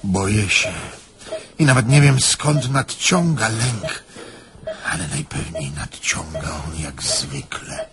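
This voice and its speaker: An actor playing an anxious, self-pitying German jeweller in a radio play, fretful and rambling. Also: male voice, on the low side, lively intonation, takes it slowly, background noise. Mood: fearful, rambling. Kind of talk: theatrical radio play acting.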